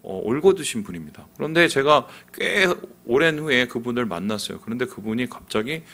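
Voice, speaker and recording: A middle-aged man preaching a sermon as pastor, lively and acting out quoted voices. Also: mid-range voice, a little fast.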